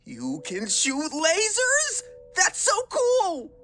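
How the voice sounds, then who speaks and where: A man's voice: very high voice, huge pitch swings, drawn-out words, pushed and bright, voice pushed up, exaggerated voice. A man voicing a cheeky teenage superhero student in an animation demo. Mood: cocky, excited. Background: music.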